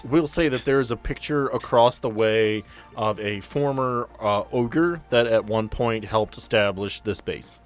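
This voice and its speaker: A man's voice: mid-range voice, unhurried, hardly any pauses. A man narrating a tabletop game as its game master, with music behind him.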